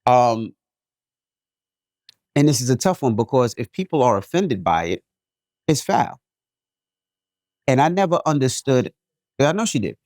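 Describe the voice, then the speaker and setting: A man from New York City co-hosting a podcast, reading a listener's email aloud and then giving his take in a joking, animated way. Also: medium pitch, a little slow, long pauses, no room sound, clean studio sound. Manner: animated, jokey, repeats himself. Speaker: podcast co-host.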